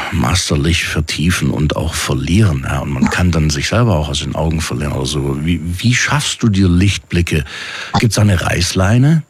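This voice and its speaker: Male radio host, very low husky voice, chatty studio call-in manner. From Swabia, Germany. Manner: chatty, upbeat, uses "gell?" often. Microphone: studio microphone.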